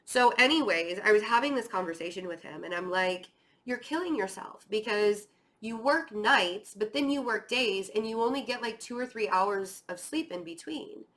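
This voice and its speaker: A woman hosts an online tarot reading with a fairly high, somewhat bright voice, lively intonation, and a moderate pace. Chatty and meandering, she talks straight to the listener in an encouraging, casual tone while her voice starts to wear out.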